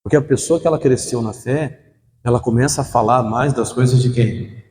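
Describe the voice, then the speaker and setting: Preaching pastor in an echoey church. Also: male voice, medium pitch, moderate pace, darkish tone, slight background noise. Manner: call-and-response preaching, asking the congregation to fill in words. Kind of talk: sermon. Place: church hall. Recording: echoey hall.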